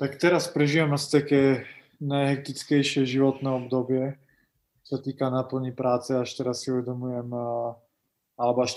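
Medium pitch from a man, with monotone, flat intonation. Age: 20s. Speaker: ice hockey player and club manager. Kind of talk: casual podcast interview. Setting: remote call.

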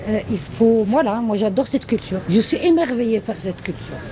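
Noticeable noise sits in the background. The speech moves at a moderate pace. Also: woman. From Morocco. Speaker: passerby interviewed. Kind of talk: street interview.

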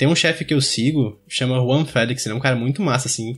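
This man has a Brazilian accent. He talks at a very fast pace. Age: 30s. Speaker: software developer. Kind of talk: casual interview.

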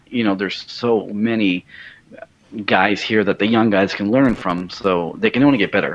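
Fairly low male pitch in an unremarkable speaking voice, with normal pitch movement. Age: 40s. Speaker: pro wrestling figure. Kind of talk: casual interview.

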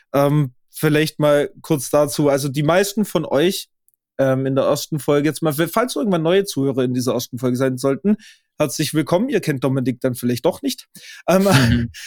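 Over a silent background in a very clean recording, a man speaks at a moderate pace with a fairly high pitch and ordinary pitch variation. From Swabia, southern Germany (Baden-Württemberg), village. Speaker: podcast co-host. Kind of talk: casual chat.

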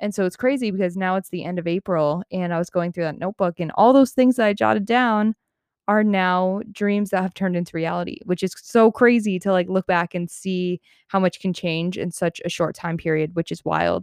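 A woman speaks in a normal speaking voice with an American accent at a fairly quick pace, with ordinary pitch variation. The sound is dry and close with no echo, and the background is quiet. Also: medium pitch for a woman. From New York. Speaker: podcast host, entrepreneur. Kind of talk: casual solo podcast monologue. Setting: at home.

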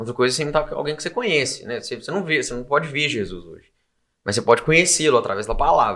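A man's bright, sharp, fairly high voice at a very fast pace, with lively intonation, big swings in loudness and vocal fry. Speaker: podcast co-host.

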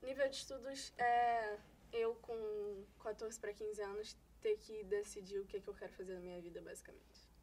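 A woman talks at a fairly high pitch. Her intonation stays fairly even. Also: moderate pace. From Brazil, Rio de Janeiro. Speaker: university student. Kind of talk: podcast interview.

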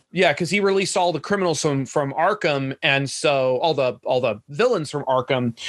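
A fairly high-pitched man in a Texan accent, with lively intonation at a moderate pace and hardly any pauses, in a dry, close sound with no echo. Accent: Texan American. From Texas, San Antonio. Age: 30s. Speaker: comic artist. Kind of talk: interview.

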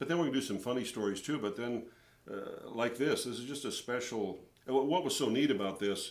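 Using an unremarkable speaking voice at medium pitch, a man with an American accent speaks at a fairly quick pace with ordinary pitch variation. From Minnesota. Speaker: songwriter and recording artist. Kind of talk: casual chat.

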